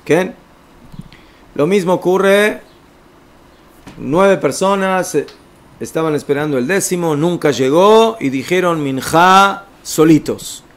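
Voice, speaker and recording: A man's voice: on the high side, slow, long pauses. A man teaching an informal religious law lesson, explaining step by step and checking in with his listeners. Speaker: rabbi teaching a class.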